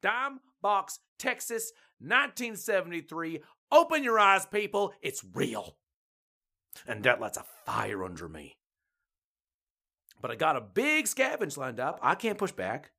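A small-town woman distraught over her pet in an audio drama. Her voice is husky and swings wildly up and down. She is folksy, emphatic and full of suspicion. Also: mid-range voice, very animated, unhurried, sharp tone, exaggerated voice. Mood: urgent, defiant. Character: distraught, feisty small-town cat owner, agitated and conspiratorial. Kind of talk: dramatic podcast monologue.

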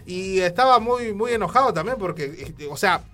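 A man's voice: high-pitched, animated, normal speed, fairly bright tone, faint music behind. A man co-hosting a podcast, chatting casually about news, rambling and stopping to search for words. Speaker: podcast co-host.

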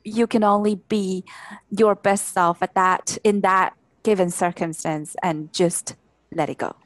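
A woman's voice: medium pitch, fairly even intonation, a little slow, no room sound. A woman from China speaks as an interview guest, reflective and earnest, in a medium voice of ordinary height. The sound is dry and close, with no room around it. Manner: reflective, earnest, repeats "exactly". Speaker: actress and coach, guest. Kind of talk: conversational interview.

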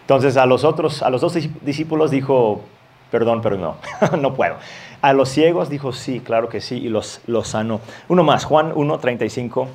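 Un hombre que predica un sermón en tono conversacional, leyendo pasajes bíblicos y riendo un poco de vez en cuando. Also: male voice, mid-range voice, normal speed, a little mellow. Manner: conversational, reads scripture aloud with light laughs. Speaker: pastor. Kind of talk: sermon.

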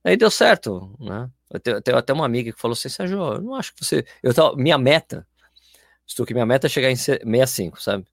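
A man in casual conversation, rattling along at a quick clip. His talk comes in loose, run-on bursts full of fillers. The recording is close and dry, with almost no room sound. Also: mid-range voice, creaky, dry recording. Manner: animated, talks in loose run-on phrases with many fillers. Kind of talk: casual chat.

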